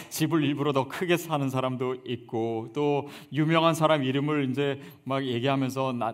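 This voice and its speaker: A man preaching a sermon as pastor, earnest and conversational, building up emphasis on key points. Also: fairly high pitch.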